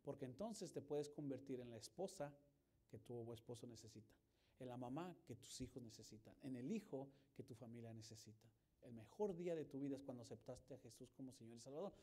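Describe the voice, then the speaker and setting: A male pastor preaching a sermon, swinging from loud emphasis to hushed storytelling and acting out the dialogue he quotes. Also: medium pitch, fairly quick. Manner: acts out quoted dialogue in his telling.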